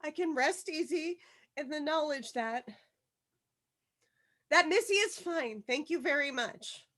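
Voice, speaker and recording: A woman playing an awkward, earnest, dejected junior high schoolgirl in a screenplay table read, speaking in a halting, plain way. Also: expressive, fairly bright tone, full character voice. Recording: video call.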